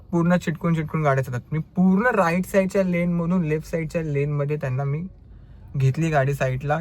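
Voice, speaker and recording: A young man with a Marathi accent tells stories from his driving shifts in an animated, chatty way, acting out what customers said. His voice sits a bit higher than most men's. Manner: animated storytelling, acts out quoted customers. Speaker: ride-hailing driver vlogger. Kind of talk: casual storytelling vlog.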